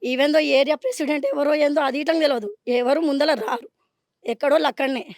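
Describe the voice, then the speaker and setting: A woman's voice: high-pitched, no room sound, studio quality. A woman with a Telangana Telugu accent, a resident in a street interview, speaking angrily and firing off demanding questions. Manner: angry, rapid, demanding questions. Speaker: resident facing eviction.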